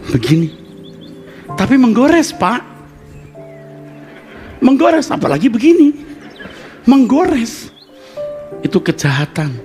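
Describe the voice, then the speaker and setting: A male pastor preaching a live sermon to a congregation, swinging between hushed asides and loud emphatic bursts and joking with the listeners. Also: high-pitched. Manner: jokes with and teases the congregation. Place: church service with live congregation.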